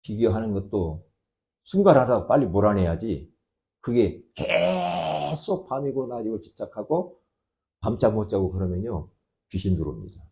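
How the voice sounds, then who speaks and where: A man preaching a sermon as pastor, emphatic, swinging between loud outbursts and quiet asides. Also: on the low side, sing-song, moderate pace, creaky.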